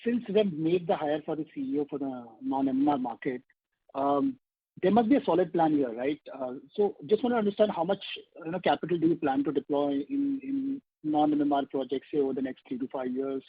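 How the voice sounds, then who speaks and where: A man's voice: on the high side, animated, brisk, creaky, slightly rough, no echo. A man with an Indian accent, a financial analyst, puts questions to management on an earnings call. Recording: tinny, dry phone line.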